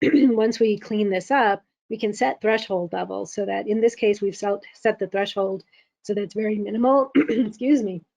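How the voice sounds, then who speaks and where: Hoarse woman presenting a webinar demo. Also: mid-range voice, darkish tone, no echo. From California. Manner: halting, many ums. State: losing her voice, clearing her throat. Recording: dull, lo-fi webinar audio.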